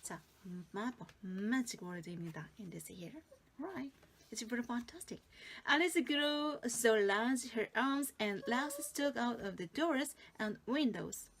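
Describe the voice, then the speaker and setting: High-voiced Korean-accented woman reading fairy tales. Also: animated, measured pace, a little hiss or hum. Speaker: storytelling teacher. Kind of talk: reading a fairy tale aloud with asides for learners.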